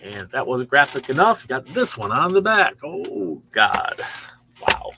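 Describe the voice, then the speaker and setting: A man's voice: medium pitch, sing-song, unhurried, gravelly, sharp tone, slight background noise. A man in his sixties hosting a casual show-and-tell of new comics in a store, chatty and easily impressed. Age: 60s. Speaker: comic shop host.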